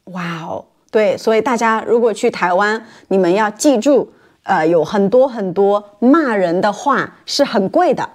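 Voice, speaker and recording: A woman from mainland China hosting a casual podcast chat for Chinese learners, laughing often and getting animated when she tells stories. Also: mid-range voice, unhurried. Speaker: podcast host.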